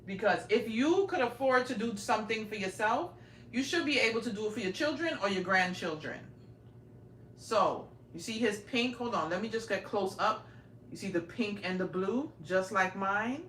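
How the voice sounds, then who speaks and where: A chatty woman in her forties leads a casual live-stream tour, talking straight to her viewers. Her voice sits at an ordinary middle pitch and carries the open ring of small home rooms. A faint hiss runs beneath it, picked up by a handheld phone. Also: animated, moderate pace, fairly bright tone. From raised in Brooklyn, New York. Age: 40s. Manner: chatty, keeps addressing viewers directly. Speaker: livestream host. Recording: roomy home audio, faint noise.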